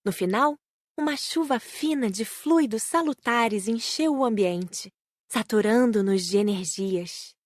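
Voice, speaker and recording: A woman's voice: fairly high pitch, measured pace, dry recording, studio quality. A woman reading a first-person audiobook story. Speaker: audiobook narrator. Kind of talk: scripted first-person narration.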